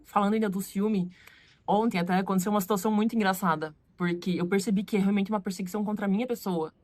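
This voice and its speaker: A Brazilian woman with a Brazilian Portuguese accent telling a story in a casual vlog, animated and acting out what others said. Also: medium pitch, fast talker, no room sound. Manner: animated, acts out quoted voices. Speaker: vlogger.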